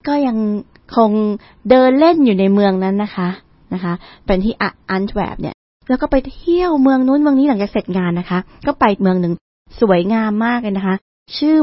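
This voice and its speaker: A woman's voice: a little high, dry recording. Chatty woman radio host, lo-fi. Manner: chatty, polite, ends phrases with soft particles. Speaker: university lecturer hosting a radio segment. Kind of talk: radio talk, storytelling. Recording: dull lo-fi radio sound.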